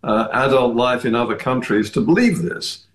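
Man, radio guest, measured, firm, mid-pitched, echoey room sound. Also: lively intonation. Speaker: studio guest. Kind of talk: radio discussion. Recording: roomy echo.

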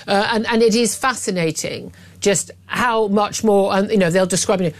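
A woman's voice: medium pitch, normal speed. A woman hosts a radio phone-in with a mid-range voice. She talks emphatically, throws in sarcastic asides and restarts her sentences often, and her tone swings between pointed and scornful. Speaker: talk radio host. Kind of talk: opinionated radio talk.

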